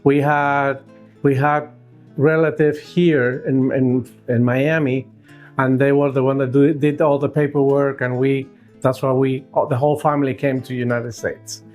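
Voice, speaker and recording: Cuban man, 60s, native Spanish speaker, mid-pitched, searching for words in a casual interview, faint music underneath. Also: flat delivery, a little slow, darkish tone. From Cuba. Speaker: food truck owner, interviewee.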